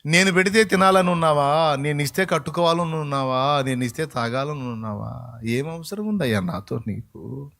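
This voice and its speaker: A man's voice: on the high side, moderate pace, fairly bright tone. A male pastor, preaching a sermon in a colloquial, emphatic way and acting out bits of dialogue.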